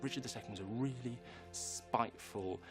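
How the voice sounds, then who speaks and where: A man's voice: medium pitch, normal speed. A man explaining history emphatically, as a commentator interviewed for a documentary. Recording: loud music bed behind voice.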